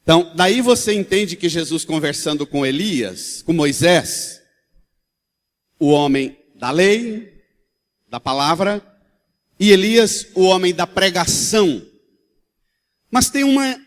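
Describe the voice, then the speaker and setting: Priest, slightly high voice, folksy storytelling sermon, long reverb of a big church. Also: male voice, slow pace. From Brazil. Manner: storytelling, animated, with colloquial asides. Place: large church.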